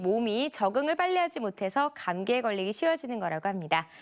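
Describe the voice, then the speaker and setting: A woman at a fairly quick pace, very wide pitch swings, and a quiet background. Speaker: weather presenter. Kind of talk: weather forecast. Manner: friendly. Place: studio. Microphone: lapel.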